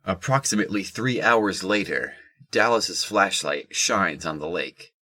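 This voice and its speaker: A man's voice: low-pitched, animated, measured pace, pushed and bright, no echo. A man reading scripted third-person narration for an audio drama.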